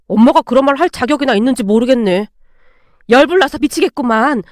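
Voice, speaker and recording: A woman's voice: sits high, a little fast, dry recording, studio quality, natural voice. A woman voicing a sarcastic adult son who needles his mother with taunting remarks. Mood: sneering.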